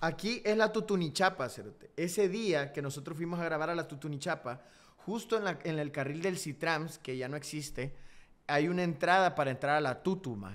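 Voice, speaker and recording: A man talks at a fairly quick pace. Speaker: streamer reacting to his old video. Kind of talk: casual stream commentary. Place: home room.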